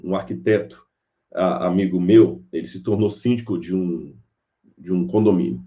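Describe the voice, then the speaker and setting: A preacher delivers a sermon-style Bible lecture, animatedly telling stories and acting out the characters in them. His voice is fairly low, and the recording sounds muffled.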